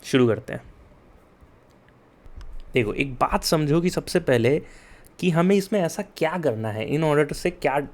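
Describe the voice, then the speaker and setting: Expressive and fairly high-pitched, a young coding tutor delivers a casual lesson in a chatty, easygoing manner. Switching between Hindi and English with frequent "yaar" and "theek hai?", he repeatedly checks that students are following, speaks to them directly, and goes slowly so they can take notes.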